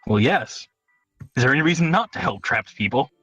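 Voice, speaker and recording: A man's voice: mid-range voice, lively intonation, fairly quick, bright, forceful tone, breathy edge. A man playing a tabletop role-playing game, bantering casually in and out of character with a playfully theatrical manner. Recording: dull lo-fi audio with background music.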